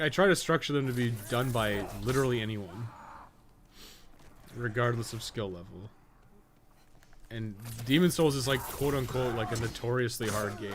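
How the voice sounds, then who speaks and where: A man's voice: medium pitch, a bit bright, slight background noise. A man giving casual live video game commentary as a streamer, with a wry, offhand, sarcastic way of talking.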